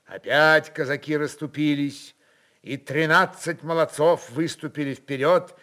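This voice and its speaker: A man narrating a literary story dramatically, with measured, expressive delivery. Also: a little high.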